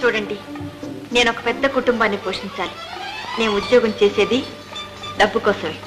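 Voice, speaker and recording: A woman's voice: medium pitch, fairly even intonation, a little fast, music in the background, natural voice, poor audio. An actress playing a proud young woman seeking work in a film drama, speaking with firm, polite dignity. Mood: dignified, firm. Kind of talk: Telugu film drama acting.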